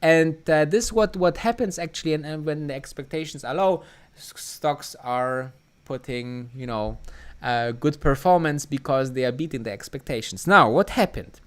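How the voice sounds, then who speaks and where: A man's voice: on the high side, moderate pace, clear, resonant tone. A man from Germany with a German accent, hosting a casual live stream and reading out chat comments, rambling with many fillers and restarts. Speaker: livestream host answering chat.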